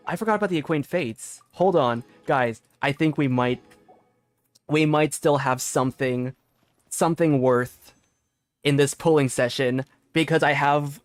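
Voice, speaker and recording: A young man streaming a video game, chatting casually with his viewers, often laughing and getting loudly excited. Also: medium pitch, dry recording. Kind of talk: casual gaming livestream chat. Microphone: desk mic with limiter filter.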